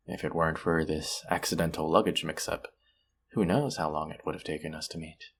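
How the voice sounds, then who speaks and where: A man playing a sweet, smitten stranger in an intimate romantic audio roleplay, speaking softly and hesitantly in a husky, gravelly voice. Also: sits low, heavily acted. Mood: playful, happy. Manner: soft, hesitant, tender, with pauses.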